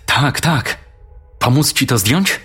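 A man voicing a patient, gentle female schoolteacher in a spooky story reading, speaking in a soft, coaxing tone. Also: mid-range voice, animated, slow, breathy edge, voice pushed up, full character voice. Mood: helpful.

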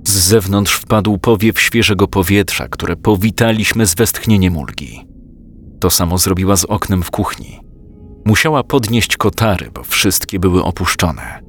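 A man calmly narrating a first-person story, voicing the dialogue himself. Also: low voice. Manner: calm, measured storytelling with quoted dialogue.

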